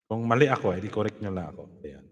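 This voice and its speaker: A man hosts a casual live stream, chatting with viewers and laughing easily. His pitch rises and falls a lot as he talks. The sound has a long, hall-like reverb. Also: animated, fast talker, heavy background noise. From Philippines. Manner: chatty, reads out viewer comments and shout-outs, laughs often.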